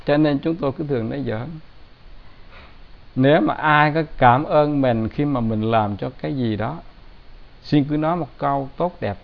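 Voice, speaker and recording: A man giving a Buddhist dharma talk in a plain, conversational way with gentle humor. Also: mid-range voice, moderate pace, vocal fry. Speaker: Buddhist teacher. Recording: dull lo-fi recording.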